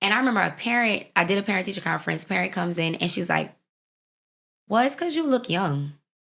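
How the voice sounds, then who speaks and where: A woman's bright, sharp, animated voice at a medium pitch, with lively intonation and a very fast pace. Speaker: high school math teacher. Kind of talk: casual podcast interview.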